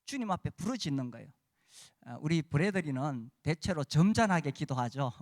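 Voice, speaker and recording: A man's voice: on the high side, no echo, clean studio sound. A man preaching a sermon as pastor, conversational with many fillers and tag questions, rising to emphatic cries.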